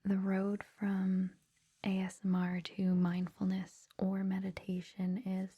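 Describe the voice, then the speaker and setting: Slow, breathy whispering ASMR woman. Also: medium pitch, monotone, muffled recording. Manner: gentle, reassuring, informal. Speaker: ASMR host introducing a meditation series.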